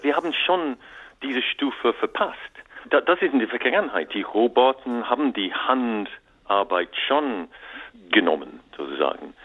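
Halting man on a tinny phone line. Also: mid-range voice, expressive, breathy edge. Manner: halting non-native German with repeated restarts and English fillers. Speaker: author and interview guest. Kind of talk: radio interview.

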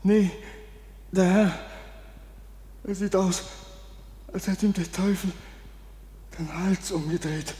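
High-voiced frightened servant lad, cavernous echo. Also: male voice, steady tone, slow pace, long pauses, dark tone. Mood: horrified. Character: terrified servant lad of a village inn. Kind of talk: German radio play acting. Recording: long echo, as in a cellar.

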